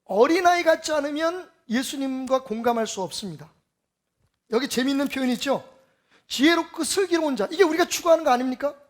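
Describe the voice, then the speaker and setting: A man giving a Sunday sermon as pastor, emphatic and full of rhetorical questions, swinging between loud and soft. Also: very high-pitched, lively intonation, brisk.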